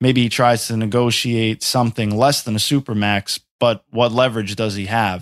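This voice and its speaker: In a New York accent, a man at a medium pitch talks at a moderate pace with hardly any pauses and monotone, flat intonation, on a very clean recording with a silent background. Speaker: podcast host, NBA writer. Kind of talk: casual interview.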